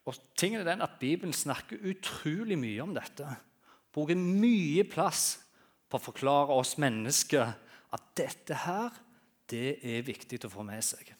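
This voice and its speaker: Animated male preacher telling stories. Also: on the high side. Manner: animated storytelling, swinging from loud to quiet. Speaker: guest preacher. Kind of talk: sermon with humorous anecdotes.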